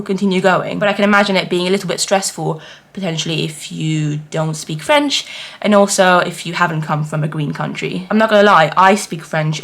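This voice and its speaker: A woman's voice: fairly low pitch, fairly bright tone. A woman chatting casually to her viewers as a travel vlogger, in an informal, rambling way. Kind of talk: casual vlog chat to camera.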